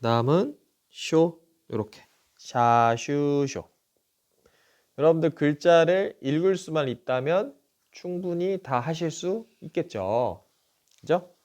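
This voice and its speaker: A middle-aged male teacher giving a recorded lesson, patiently asking questions and then answering them himself, repeating each syllable slowly and clearly. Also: fairly high pitch, animated, a little mellow. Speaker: Japanese teacher.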